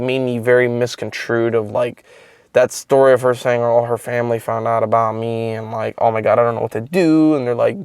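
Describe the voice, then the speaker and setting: A man's voice: mid-range voice, dry recording. Profane young man rambling in a dry room. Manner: profane, rambling, heavy filler words. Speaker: content creator. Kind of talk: casual storytelling vlog.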